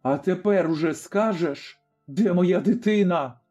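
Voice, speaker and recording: A man playing a fearless Cossack father giving hard orders in a mellow, fairly high voice. The storybook reading sounds slightly dull, with faint music under it. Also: measured pace. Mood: grim. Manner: firm, commanding.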